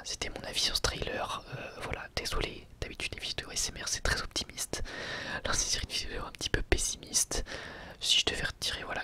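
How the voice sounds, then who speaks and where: A man whispering a casual, hesitant ASMR commentary in a breathy, unvoiced voice. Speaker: ASMR video creator giving film opinions.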